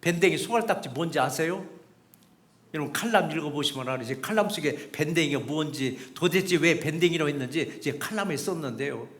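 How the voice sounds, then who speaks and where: A man's voice: a little high, a little fast, a bit bright. A middle-aged male pastor preaching a sermon, emphatic and repetitive, acting out short quoted voices.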